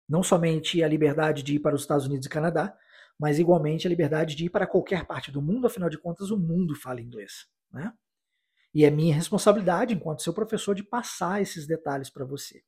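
A man from Brazil teaching English in a podcast lesson, explaining phrases and then repeating the English lines slowly for listeners to practise. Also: on the high side, dark tone, breathy edge. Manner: encouraging, with tag questions like "né?" and "tá?".

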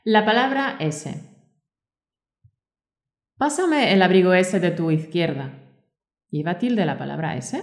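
A woman co-hosting a scripted teaching podcast. She reads example sentences in a clear, friendly teaching tone. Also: lowish voice, lively intonation, slow, long pauses. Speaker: podcast co-host and Spanish teacher. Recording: roomy echo.

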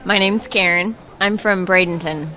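A woman's voice: on the low side, moderate pace, pushed and bright, poor audio. A woman who grew up in Thailand, giving brief, friendly answers to an interviewer. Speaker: theatergoer.

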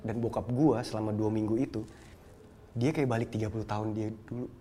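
A man's voice: fairly low pitch, fairly even intonation, dark tone. A young man, telling a personal story in slangy casual talk. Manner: slangy Jakarta street talk, quick and storytelling. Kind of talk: casual chat.

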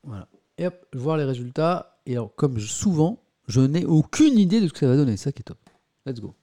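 A man's voice: on the high side, very animated, a little fast, mellow. A man hosting a live-streamed press review, chatting casually with his viewers and mocking himself, with many fillers and restarts.

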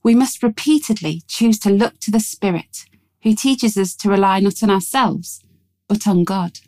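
A woman reading a scripted Christian devotional in a measured, reflective and reverent way. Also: mid-range voice, mellow. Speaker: devotional reader. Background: music behind the voice.

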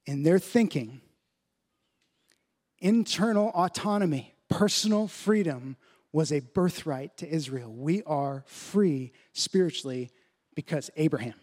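A man preaching a sermon as pastor, teaching emphatically and slowing down carefully on key phrases. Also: lively intonation, a little mellow. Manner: emphatic teaching, rises in pitch to stress points; slows down deliberately on key phrases.

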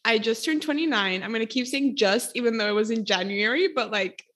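A woman's voice: a little high, fairly quick, a bit bright. A woman in her late twenties from Costa Rica, a podcast guest chatting casually, rambling and laughing at herself. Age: 20s. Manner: self-deprecating, laughs often, rambling. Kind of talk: casual chat.

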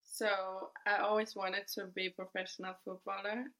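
Young woman with a flat, even voice. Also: mid-range voice, moderate pace. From Denmark. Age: 20s. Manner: relaxed, thoughtful storytelling with hedges. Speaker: guest footballer. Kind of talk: podcast interview.

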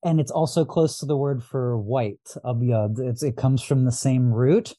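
A man's voice: mid-range voice, unhurried, mellow, no room sound. A man from Los Angeles, a guest on an astrology podcast, talking in a casual, reflective way with many restarts. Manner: reflective, rambling, frequent restarts and fillers. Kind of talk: casual conversational interview.

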